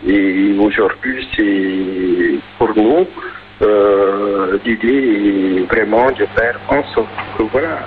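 Noisy shortwave, halting man. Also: fairly low pitch. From Senegal. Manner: hesitant, halting phrasing. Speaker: festival organizer being interviewed. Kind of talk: spontaneous radio interview answers. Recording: noisy, dull shortwave radio reception.

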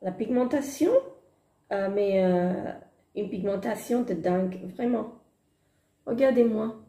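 A woman with a hoarse voice, chatting hesitantly through a makeup haul with many fillers and gushing exclamations. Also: medium pitch, unhurried, dark tone, echoey room. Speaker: beauty vlogger. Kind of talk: casual makeup haul chat. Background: construction noise.

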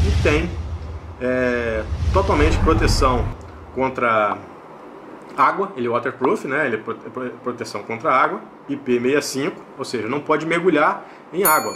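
A Brazilian man with a slightly high voice presents a product in a casual review style. He explains each detail, often repeating a point and adding short check-in questions. A faint layer of background noise sits behind him. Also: fairly bright tone. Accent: Brazilian Portuguese. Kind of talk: casual unboxing and review narration.

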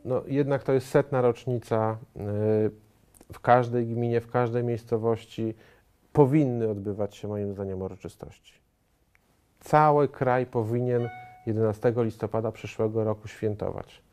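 A man in his thirties, a studio guest answering interview questions in a measured way, with frequent hesitations and restarts. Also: medium pitch, fairly even intonation, warm tone. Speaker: studio guest, member of parliament. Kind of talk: political TV interview. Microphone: lapel mic.

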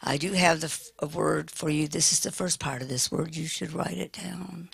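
An older American woman preaching a lively sermon with humor, talking in a big, animated, playful voice. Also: sits low, moderate pace, gravelly, slightly rough.

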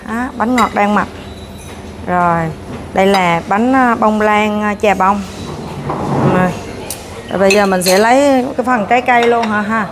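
A woman's voice: medium pitch, background noise. A woman in her thirties on a lapel mic, chatting casually as she walks a hotel breakfast buffet and serves herself. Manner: chatty, narrating while serving herself food. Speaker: food vlogger. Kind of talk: casual walkthrough vlog. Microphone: clip-on lapel mic. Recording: clinking dishes and cutlery behind.

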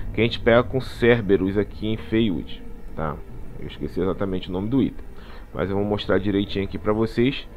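A man with a Brazilian Portuguese accent giving a casual game walkthrough, chatty and tagging "tá?" onto nearly every phrase. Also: medium pitch. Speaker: gaming channel host. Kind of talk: casual gameplay walkthrough commentary. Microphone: voice-over commentary over game capture.

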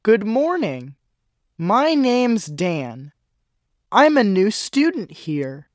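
Slow, expressive voice reading lesson lines. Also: male voice, sits high, dry recording, clean studio sound. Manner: slow, clearly enunciated. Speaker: dialogue reader. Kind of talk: scripted language-lesson dialogue.

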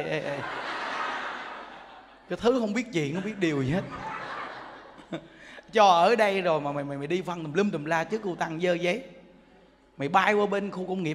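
A man's voice: high-pitched, a little hiss or hum. A man giving a humorous Buddhist sermon, telling stories and imitating animal sounds. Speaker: Buddhist monk teacher. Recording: long hall reverb.

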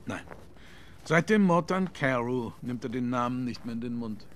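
An actor playing an urbane, shrewd older gentleman lawyer in a German radio play, speaking theatrically. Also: medium pitch, lively intonation, moderate pace, a little hiss or hum, close to an everyday voice. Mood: dry, avuncular.

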